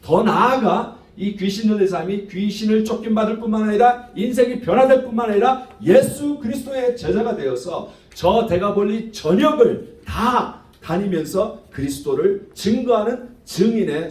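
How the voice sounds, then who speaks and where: A man's voice: sits high, moderate pace, hardly any pauses. Guy pastor preaching, voice swoops up and down, english words mixed in, echoey and far from the mic. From Korean diaspora, 1.5-generation immigrant. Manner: mixes English words and phrases into Korean; animated, rhetorical questions to congregation. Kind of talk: sermon. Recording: roomy, distant microphone.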